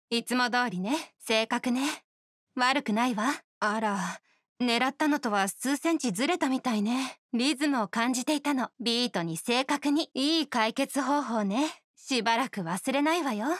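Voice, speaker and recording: Young female oni musician, video game character, higher-pitched, self-assured, perfectionist, poised, dry studio sound. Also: a bit bright, no room sound. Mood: pleased, self-assured.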